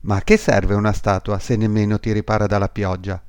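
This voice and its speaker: A man's voice: fairly low pitch, little pitch movement, fairly quick, darkish tone, smooth, no echo, studio quality, lightly acted. A man voicing a small, proud, chatty female swallow in a fairy tale, fussy and exclaiming. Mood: fretful.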